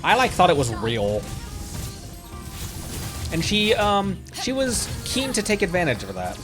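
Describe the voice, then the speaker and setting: A young man talking casually through a game stream, wandering between thoughts and tossing out puns with frequent laughter. His pitch bounces around animatedly. Soft game music plays quietly behind him. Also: huge pitch swings, unhurried. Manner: rambling, punning, laughs often. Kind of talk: casual gaming livestream chat.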